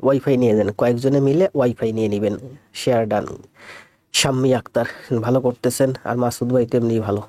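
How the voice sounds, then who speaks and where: Soft-spoken man teaching live with a cold. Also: medium pitch, steady tone, dry recording. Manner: speaks slowly and softly to save energy. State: has a cold. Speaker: math teacher. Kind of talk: live online class, greeting viewers.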